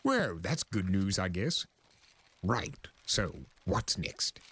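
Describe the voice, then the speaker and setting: A man's voice: sits low, sing-song, takes it slowly, a bit bright, slightly rough, heavily acted. Man voicing a cranky, theatrical old chaos creature. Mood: deadpan, relieved. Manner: exasperated, melodramatic, swooping emphasis.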